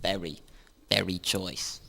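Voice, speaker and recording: A man playing a slow, deadpan male sheep farmer, pushing his voice comically low. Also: creaky, exaggerated voice. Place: studio.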